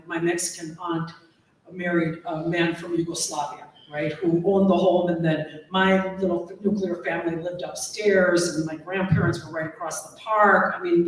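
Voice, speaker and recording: A woman poet on a panel, talking in a lively way and often adding "right?". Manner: lively, tag questions with "right?". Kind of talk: live panel discussion. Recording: echoey hall, distant mic, faint rumble.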